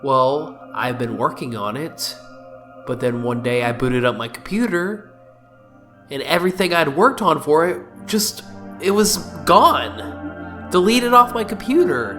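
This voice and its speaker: Man with lively, swinging delivery over music. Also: a little high, unhurried. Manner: informal, mildly sweary. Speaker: game review host. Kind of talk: casual video commentary.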